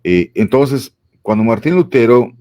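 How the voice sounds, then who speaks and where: A man speaking as a panelist in a discussion, reflective, pausing with fillers. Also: medium pitch, animated, a little mellow, no room sound.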